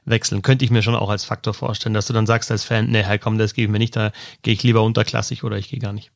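A man's voice: fairly low pitch, flat delivery, quick pace, creaky, no room sound, clean studio sound. A man, thinking aloud and listing examples in a casual sports podcast chat.

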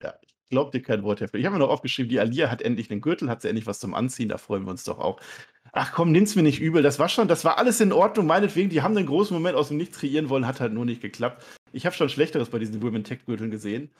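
A man's voice: mid-range voice, animated, rapid-fire, a little mellow, husky. A man co-hosting a podcast in casual chat, teasing and sarcastic toward his partner. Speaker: podcast co-host.

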